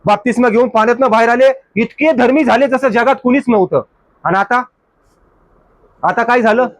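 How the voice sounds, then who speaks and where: A man's voice: very high-pitched, moderate pace, no echo. A man preaching as a pastor in a church, exhorting his congregation with rhetorical questions and mock excuses. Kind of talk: sermon.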